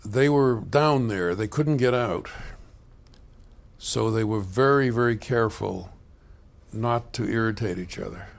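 A man's voice: on the low side, unhurried, creaky, pauses often. A man speaking as an interviewee, recalling past work in plain conversational terms. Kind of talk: interview recollection.

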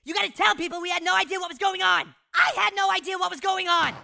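Panicky schoolboy, cartoon, fast talk, bright tone, a man acting. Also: very high-pitched, vocal fry, heavily acted. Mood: frantic. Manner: frantic, exasperated.

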